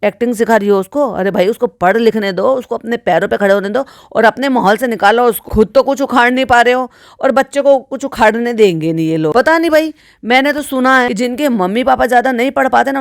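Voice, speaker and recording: A woman's voice: a little high, no echo, clean studio sound. A woman giving reaction commentary, scolding and sarcastic as she talks.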